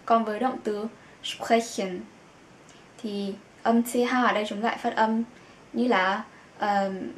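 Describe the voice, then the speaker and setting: A young woman teaching German to learners, explaining things and repeating each word slowly. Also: mid-range voice. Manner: explains in Vietnamese, says German words slowly and repeats them. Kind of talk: language lesson for Vietnamese learners. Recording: echoey room with faint background noise.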